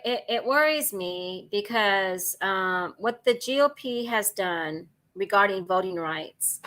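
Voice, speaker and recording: A woman with a Texan accent, a guest on a political talk radio show, speaking in a measured, earnest way with some hesitations. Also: medium pitch, bright, forceful tone. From Houston, Texas. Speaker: guest commentator.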